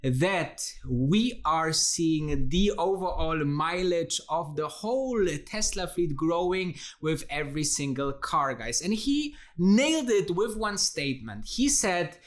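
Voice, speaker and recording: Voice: mid-range voice, expressive, slow pace, hardly any pauses. A host with gives enthusiastic, conversational stock investing commentary, addressing viewers directly and emphatically.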